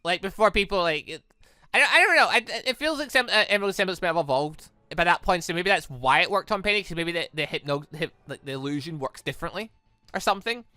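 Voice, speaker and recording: A let's play host rambles through casual commentary and reads visual novel dialogue aloud, often repeating and rephrasing as he thinks out loud. The voice is medium-pitched, lively and fast, with game music behind it and a dry recording.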